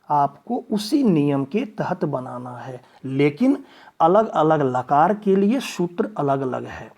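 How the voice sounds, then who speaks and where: A man's voice: high-pitched, darkish tone. A male teacher patiently explaining grammar step by step, reciting verb forms one after another. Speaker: Sanskrit teacher. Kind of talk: classroom grammar lesson.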